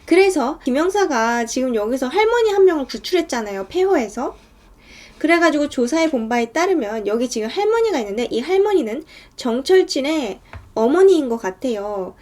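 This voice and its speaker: A woman's voice: high voice, very animated, normal speed, darkish tone. A woman casually retelling a thriller movie's plot scene by scene, chatting to her viewers. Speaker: movie recap storyteller.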